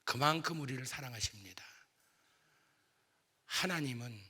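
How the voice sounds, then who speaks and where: A man's voice: mid-range voice, lively intonation, a little slow, bright, forceful tone, slightly rough. Fervent man preaching in a reverberant church. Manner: emotional, rising to fervent appeals. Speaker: pastor. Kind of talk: revival sermon storytelling. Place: church sanctuary.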